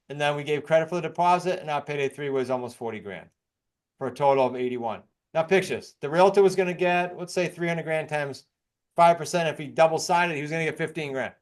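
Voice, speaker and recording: Man, American accent, slightly high voice, fast-talking, informal sales presentation. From New England, United States. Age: middle-aged or older. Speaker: guest, real estate investing coach.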